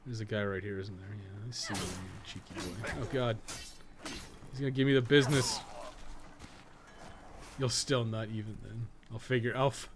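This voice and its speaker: A man's voice: lowish voice, steady tone, normal speed, pauses often. A man giving casual, rambling gameplay commentary with plenty of swearing and crude joking. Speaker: podcast co-host streaming a video game. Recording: clearly noisy background.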